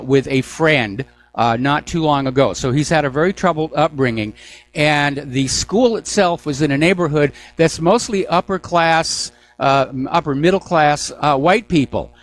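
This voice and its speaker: Man hosting call-in radio, brisk and businesslike. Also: a little high. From New Hampshire. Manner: brisk, moves callers along with frequent "uh" fillers. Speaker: radio talk show host.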